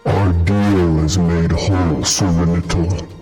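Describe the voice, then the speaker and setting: A man game master voicing a monstrous female bone creature through a deep voice changer that makes him sound muffled and underwater, speaking in slow, solemn pronouncements. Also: fairly even intonation, dark tone, faint music behind. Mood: cold commanding. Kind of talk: voicing a figure in a tabletop game. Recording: voice changer with long reverb.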